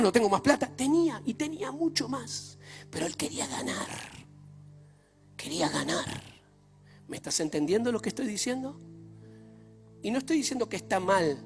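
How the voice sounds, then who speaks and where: High-pitched male preacher, emphatic church sermon, soft music underneath. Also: very animated, normal speed, vocal fry, pauses often. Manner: emphatic, swings between loud and hushed. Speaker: pastor.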